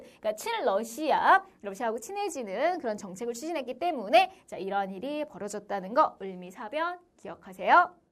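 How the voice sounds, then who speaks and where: Woman, young adult, history teacher, online lesson, high voice, very lively intonation, constant "자" filler, acts out quotes. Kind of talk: online lecture for middle school students.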